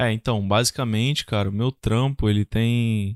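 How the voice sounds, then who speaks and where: Recorded very cleanly against a silent background with a dry, close sound with no echo, a man speaks at a fairly low pitch and a moderate pace with fairly even intonation. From Espírito Santo, Brazil (Guarapari). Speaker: painter, street artist. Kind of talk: casual interview chat. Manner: halting, many repeated words.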